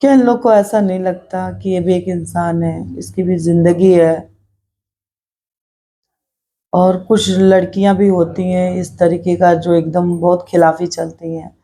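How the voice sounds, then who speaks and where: A woman's voice: lowish voice, dark tone. A middle-aged woman talking earnestly to her viewers in a personal vlog, reflective and repeating herself as she speaks her mind. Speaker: vlogger. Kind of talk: personal vlog talk to camera.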